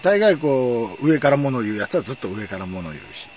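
A man's voice: medium pitch, a little fast, dull audio, a little hiss or hum. A middle-aged man telling a personal story in a wry, chatty way. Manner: wry, chatty, lively intonation. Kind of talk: casual storytelling monologue.

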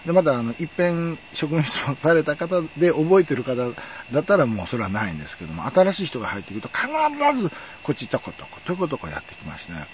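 A man's voice: fairly high pitch, quick pace, hardly any pauses, muffled recording, slight background noise. A middle-aged man telling a personal story in a wry, chatty way. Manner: wry, chatty, lively intonation. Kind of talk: casual storytelling monologue.

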